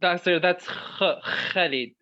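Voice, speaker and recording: Man, lightly high voice, muffled call. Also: slow pace, sharp tone. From Algeria. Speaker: participant helping with introductions. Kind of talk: casual chat in an online lesson. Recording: dull, lo-fi online call audio.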